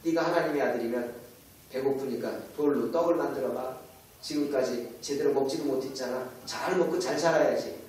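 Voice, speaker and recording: A man's voice: medium pitch, fairly quick, darkish tone, a little hiss or hum, voice pushed down, close to an everyday voice. A man voicing a scornful male devil who mocks with taunting questions, in a sermon. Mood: tempting. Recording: echoey church hall, mic far off.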